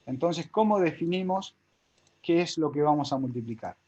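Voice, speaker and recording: A man's voice: a little high, animated, normal speed, mellow, muffled recording. A man teaching a live spreadsheet class step by step, with an Argentine Spanish accent, often checking whether his students follow.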